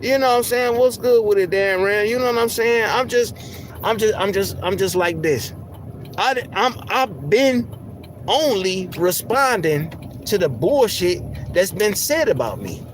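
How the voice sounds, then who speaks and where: A man with a soft, squeaky voice ranting heatedly on a livestream, swearing a lot and stumbling over repeated words. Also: expressive, a little slow, a little hiss or hum. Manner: heated, profane, repeats words when worked up. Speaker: livestream host. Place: in a car.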